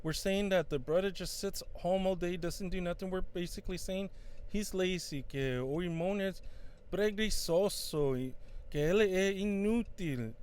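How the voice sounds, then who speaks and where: Here an English teacher whose mother tongue is English leads a bilingual lesson, teaching in Portuguese. His high voice is clean and a touch mellow; his delivery is halting, full of fillers, and mixes English with Portuguese.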